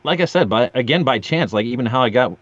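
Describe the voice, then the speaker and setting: A man's voice: mid-range voice, expressive, quick pace, no echo, muffled recording. A middle-aged man chatting casually as a podcast guest, a joking storyteller who acts out little quotes. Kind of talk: casual interview chat.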